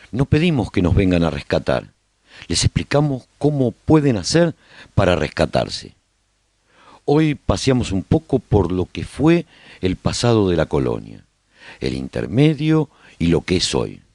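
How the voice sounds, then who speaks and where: A man narrates a scripted radio serial in a documentary tone, with measured, deliberate phrasing. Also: deep voice, huge pitch swings, a little mellow, no room sound, studio quality.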